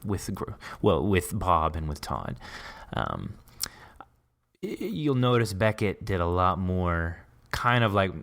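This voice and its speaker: A man's voice: sits low, a bit bright. A man hosting a podcast interview, chatting casually in an encouraging, affirming way. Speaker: podcast host.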